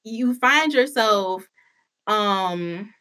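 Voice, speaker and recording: A woman's voice: medium pitch, expressive, very slow, pushed and bright. A woman with an African American accent in a casual, candid chat, speaking informally and swearing freely.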